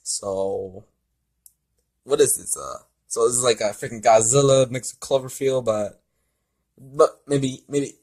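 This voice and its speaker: A man doing an amateur read-aloud of a story with casual side comments, in a halting way that stumbles over words. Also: mid-range voice, fairly even intonation, a little mellow. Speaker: fan fiction reader and commentator.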